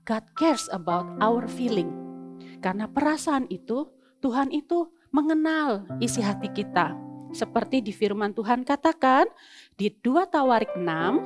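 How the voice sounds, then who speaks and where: A young woman giving a lively sermon to children, swinging between soft and loud as she acts out feelings. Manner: animated, lively storytelling with sudden swings in pitch and loudness; mixes English phrases into speech. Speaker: children's church teacher. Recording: music playing behind the voice.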